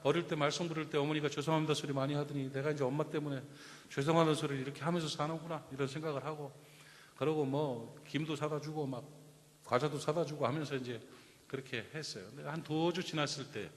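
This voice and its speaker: A middle-aged man preaching a Sunday sermon as pastor, shifting between loud exhortation and quiet personal storytelling. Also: fairly high pitch, fairly even intonation, quick pace. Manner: impassioned preaching that drops to soft storytelling. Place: church sanctuary. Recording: reverberant church hall.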